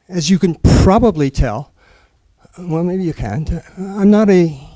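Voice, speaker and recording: Speaking at a fairly slow pace, a man uses a high-pitched voice. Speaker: math teacher on a panel. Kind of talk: panel discussion. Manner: deadpan; halting, tongue-tied.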